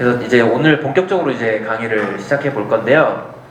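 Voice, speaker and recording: A man speaks at a fairly quick pace with a medium pitch and lively intonation, with audible room echo and noticeable background noise. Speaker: impact investor and social venture CEO giving a talk. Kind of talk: lecture. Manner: fast.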